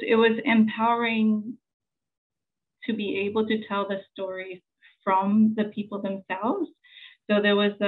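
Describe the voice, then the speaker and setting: A Samoan woman journalist in her forties giving an earnest conference presentation, pausing often with fillers. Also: medium pitch. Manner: earnest, halting with many fillers. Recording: tinny phone-like sound.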